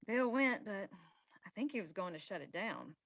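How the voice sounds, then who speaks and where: Woman as a weary kind townswoman, mid-pitched, subdued, drama table read, dull lo-fi audio. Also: very animated, normal speed, fairly bright tone. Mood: plainspoken. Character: worried, weary, kind mining-town woman. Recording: dull, lo-fi sound.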